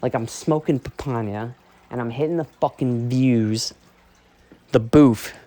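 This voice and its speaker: A young man, a streamer, candidly rambling and ranting while he walks around a dark basement talking into his phone, swearing freely and filling with "like". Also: mid-range voice, unhurried, no echo. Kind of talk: casual rambling monologue. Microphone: phone held while walking.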